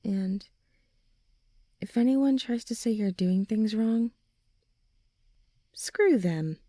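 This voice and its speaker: A supportive young female friend, acted by a woman, speaks in a soft, mellow voice at an unhurried pace. She is soothing and encouraging, as in an ASMR comfort roleplay. The sound is dry, with no room around it. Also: mid-range voice, dry recording. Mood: gently reassuring. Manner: soft, soothing, encouraging, breathy sighs and chuckles. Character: supportive young female friend, gently reassuring a worried graduate.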